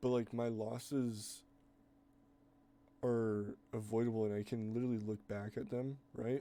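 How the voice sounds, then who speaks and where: With long, frequent pauses, a man speaks in a dark, mellow tone and fairly even intonation. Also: medium pitch for a man, fairly slow pace. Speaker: day trader. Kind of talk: casual trading vlog monologue. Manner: slow, hesitant with many fillers.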